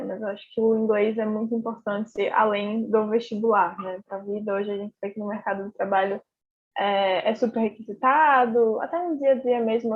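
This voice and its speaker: A young woman teaching an English class, speaking in a relaxed, encouraging way with lots of fillers. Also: fairly high pitch. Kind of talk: casual online class explanation. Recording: dull lo-fi audio.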